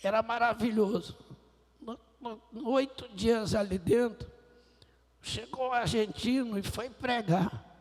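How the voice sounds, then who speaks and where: Male guest pastor, husky and high, animated testimony storyteller, long church-hall echo. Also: unhurried. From Brazil, Rio de Janeiro. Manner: lively storyteller, acts out dialogue with slang. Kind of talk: testimony sermon. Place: church auditorium.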